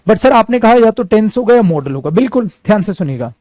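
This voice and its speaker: A man with an Indian accent teaching spoken English, mixing Hindi and English, repeating his English lines slowly and calling his students "beta" and "dear". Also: sits high, very animated, a little mellow, no echo. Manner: addresses listeners fondly as "beta" and "dear".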